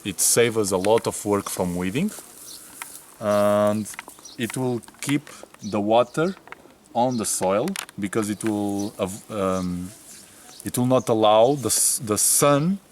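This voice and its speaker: Man, low and deliberate delivery, pausing to find words, outdoor garden with faint noise. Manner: unhurried, searching for words with many fillers. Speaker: volunteer explaining gardening work. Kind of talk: casual explanation.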